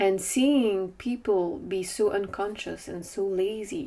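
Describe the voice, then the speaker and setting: The voice is dark and mellow in tone, with a French accent. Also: woman. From France. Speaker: philosopher. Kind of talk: casual monologue. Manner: halting, with many fillers and repeats.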